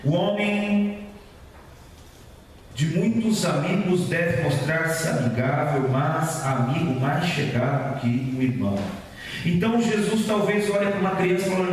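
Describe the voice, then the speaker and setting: A man preaching a sermon in Brazilian Portuguese, lively and joking with his congregation, acting out little quotes. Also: high-pitched, slight background noise. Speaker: pastor. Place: church hall, indoors. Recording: echoey church hall, voice from far off.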